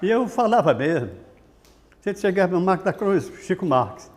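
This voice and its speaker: Radialista nordestino de voz meio aguda. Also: male voice, high-pitched, sing-song, moderate pace. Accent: northeastern Brazilian. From Sobral, Brazil. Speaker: veteran radio broadcaster. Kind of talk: reminiscing in casual speech.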